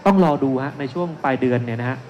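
A man's voice: medium pitch, expressive, fast, a little mellow, lo-fi sound, faint music behind. A man in his thirties speaking as an analyst on a seminar stage into a handheld mic, explaining step by step with frequent polite particles. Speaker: securities analyst, panel speaker. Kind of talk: investment seminar presentation. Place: stage at a shopping mall expo, indoors. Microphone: handheld microphone. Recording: noisy live event sound.

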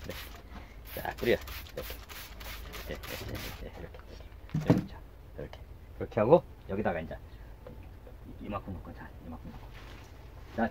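Middle-aged guy showing garden work outdoors, keeps repeating little words while he works, soft background hum. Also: on the low side. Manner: talks while working, repeats short words, mutters asides. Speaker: gardening channel host. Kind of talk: casual hands-on gardening demonstration. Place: outdoors by a house.

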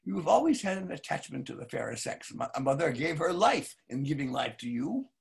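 A worldly older-brother nobleman, acted by an older man in a stage play. The voice is very raspy and creaky, a bit high-set, teasing and paternal. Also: very animated, brisk, full character voice. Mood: amused lecturing. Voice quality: gravelly, husky. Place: home study, video call.

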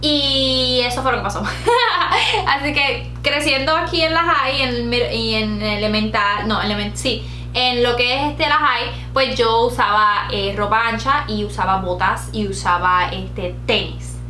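Sitting in a bright, shelved room at home, a woman from Puerto Rico in her late twenties giggles and chats to a camera at desk distance, mixing English words into her accented Spanish. She speaks unhurriedly in a pushed, bright voice on the high side, and the sound is roomy with faint music behind.

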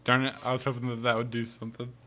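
A man's voice: medium pitch, monotone, rapid-fire, bright, forceful tone. A man giving casual let's-play commentary, reading game text aloud and muttering exasperated asides to himself. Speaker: video game streamer. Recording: game music under the voice. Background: video game music.

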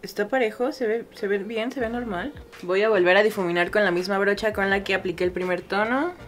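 A woman's voice: mid-range voice, fairly quick, soft background music. Chatty self-mocking Mexican woman. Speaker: beauty vlogger. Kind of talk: casual makeup tutorial chat.

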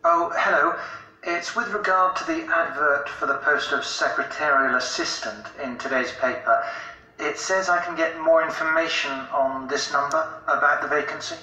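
A man's voice: fairly high pitch, normal speed, bright, forceful tone. A man acting a polite, formal job seeker phoning an office in a scripted course dialogue. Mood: polite, enquiring. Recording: roomy, distant course audio playback.

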